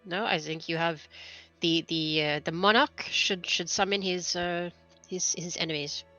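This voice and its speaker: A woman's voice: fairly low pitch, fairly even intonation, measured pace, sharp tone, highs cut off, soft background music. A woman chatting casually as a player in a tabletop role-playing game.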